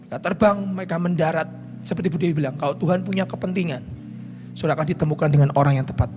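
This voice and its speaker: A man with an Indonesian accent preaching a sermon as pastor, telling a story that swings between hushed lines and shouted climaxes. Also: on the high side, rapid-fire, music in the background. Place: church stage at a pastors' conference.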